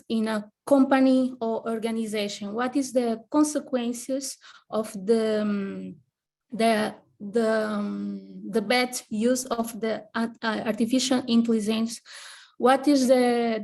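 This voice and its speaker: A woman student, asking a question haltingly and searching for words in English. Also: fairly high pitch, a little mellow. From Portugal. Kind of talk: asking a question in an online session.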